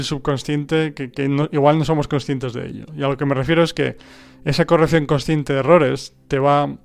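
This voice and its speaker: A man's voice: fairly high pitch, clean tone. A man whose first language is Spanish, hosting a podcast on language learning and talking through his ideas with frequent restarts and rhetorical checks to the listener. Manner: thoughtful, full of restarts and rhetorical "¿no?" tags. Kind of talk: casual spoken monologue.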